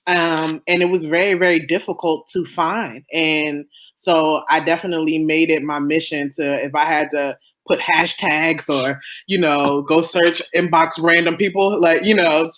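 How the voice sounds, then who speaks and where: A woman's voice: sits low, fairly even intonation, moderate pace, few pauses, a bit bright. Female panelist, casual conversational delivery, dull video-call sound. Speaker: panelist, audio drama creator.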